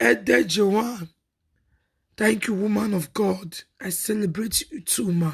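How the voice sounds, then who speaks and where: A woman at medium pitch, somewhat breathy, with very wide pitch swings, a very slow pace and long, frequent pauses. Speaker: pastor. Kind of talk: sermon.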